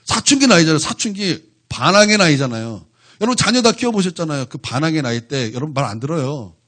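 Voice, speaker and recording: A man's voice: a little high, sing-song, fast talker, a bit bright. A male pastor preaching a sermon in church, talking animatedly and keeping the congregation engaged with one question after another.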